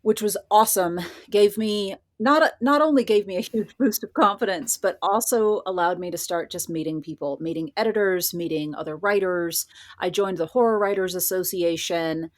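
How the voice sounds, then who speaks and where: A woman's voice: lowish voice, moderate pace, no echo, studio quality. A woman answering as an interview guest, talking conversationally about her work as a writer with emphatic asides. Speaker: guest, horror fiction writer.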